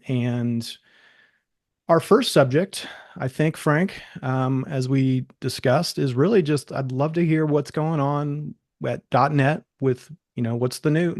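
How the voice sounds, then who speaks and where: Guy hosting a webinar chat, relaxed rambly questions, medium pitch, dry audio. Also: no room sound. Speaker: webinar host. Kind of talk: casual fireside chat interview.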